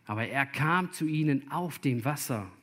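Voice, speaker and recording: A man's voice: mid-range voice, animated, normal speed, fairly bright tone. A man preaching a sermon to young listeners, earnest and speaking to them directly. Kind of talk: sermon to children or youth.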